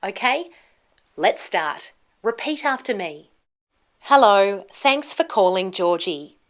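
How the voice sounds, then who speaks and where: Woman, thirties, pronunciation teacher, slow pace, careful enunciation, marked stress, scripted lesson to camera. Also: medium pitch, very animated. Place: small indoor studio with plain backdrop.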